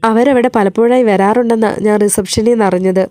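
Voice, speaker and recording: A woman's voice: on the high side, steady tone, a little fast, warm tone, no echo, clean studio sound, lightly acted. Woman voicing an anxious, hurt mother. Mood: distressed. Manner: pleading, anxious. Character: worried middle-aged mother, tearful and hurt.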